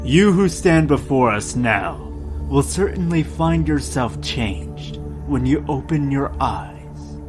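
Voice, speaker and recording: Guy doing a sinister cult elder, slow menacing chant-like speech, radio drama, music underneath. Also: medium pitch. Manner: solemn, incantatory, menacing. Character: sinister male elder of a secret owl cult, grandiose.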